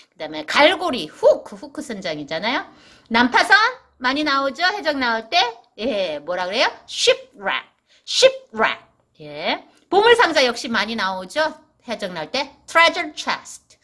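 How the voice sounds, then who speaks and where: Lively, bright-voiced woman teaching vocabulary. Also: a little high. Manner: repeats English words slowly and emphatically. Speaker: English vocabulary teacher for parents. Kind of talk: casual vocabulary lesson.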